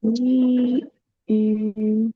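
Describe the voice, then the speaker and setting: A woman's voice: fairly high pitch, flat delivery, drawn-out words, no room sound, phone-quality sound. A woman student answering questions in an online lesson, hesitant and thinking aloud with little hums.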